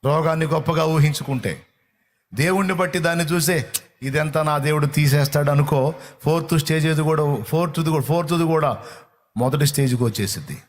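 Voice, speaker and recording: A man's voice: a little high, fairly quick. A middle-aged man preaching a sermon in a fervent, repetitive cadence. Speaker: pastor.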